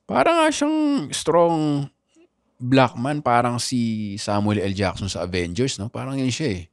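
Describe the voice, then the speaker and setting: A man hosting a podcast, telling stories in animated casual chat with constant tag questions. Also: medium pitch, unhurried, no echo, clean studio sound. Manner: animated storytelling with frequent "di ba" asides. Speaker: podcast host.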